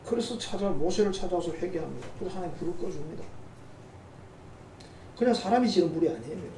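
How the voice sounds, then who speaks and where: High, lively pastor in a roomy church. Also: male voice, fast, a little hiss or hum. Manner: conversational, teasing asides to the congregation. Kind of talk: sermon. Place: church sanctuary. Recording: roomy church sound from a distant mic.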